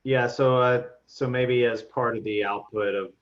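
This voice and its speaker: A man leading a city board meeting, talking in a halting way with many restarts and fillers. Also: medium pitch, fairly even intonation, dull audio. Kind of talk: casual meeting discussion.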